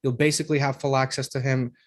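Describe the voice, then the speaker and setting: Male co-host, casual sales pitch, filler-heavy and reassuring. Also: flat delivery, rapid-fire. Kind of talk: live-stream sales pitch.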